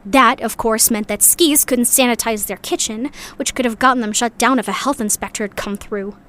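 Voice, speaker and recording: An actress plays a young woman from a sci-fi underground community, weary but loyal to her people. Her voice sits on the high side. She talks reflectively and earnestly, as in an audio drama monologue. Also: normal speed, a bit bright, close to an everyday voice. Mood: sad, earnest.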